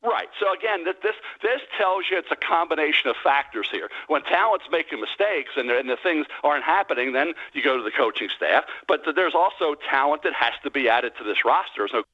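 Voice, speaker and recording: A man in his sixties calling into a sports radio show over a landline phone, giving blunt, emphatic opinions in quick bursts. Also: on the high side, lively intonation. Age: 60s. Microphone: landline telephone. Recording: dull lo-fi phone line.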